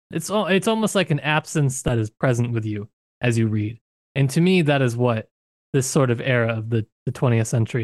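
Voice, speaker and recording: On a book discussion podcast, a male co-host thinks aloud in a searching way, frequently starting over. His voice sits at medium pitch. The audio is dry and of studio quality.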